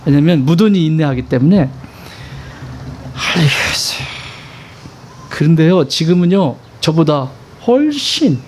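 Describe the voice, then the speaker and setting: Man, pastor, sermon, high voice, swooping intonation, emphatic, asks questions. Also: expressive, a little slow, pauses often, slight background noise. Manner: conversational, asks the congregation questions.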